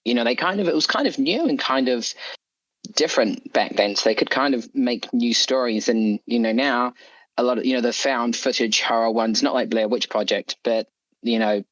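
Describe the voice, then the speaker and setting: A man's voice: medium pitch, moderate pace, a bit bright, dry recording, highs cut off. A man speaking as an author being interviewed, chatting casually in a rambling, hedging way. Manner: rambling, hedging with frequent "you know" and "like". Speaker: interview guest, horror story author.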